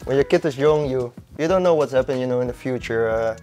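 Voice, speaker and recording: A young man from the Netherlands speaks with a Dutch accent as a guest in a casual interview. He talks in a laid-back, hesitant way, pausing often to find his words. His pitch sits in the middle, and faint music plays underneath. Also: warm tone. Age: young adult. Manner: laid-back, hesitant with many ums and uhs. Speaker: guest footballer.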